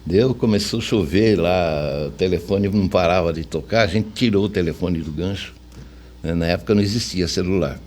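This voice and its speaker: A man's voice: low-pitched, a little fast, darkish tone. An older man with a Brazilian accent, telling anecdotes casually and colloquially as an interview guest. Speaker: interview guest, veteran radio journalist.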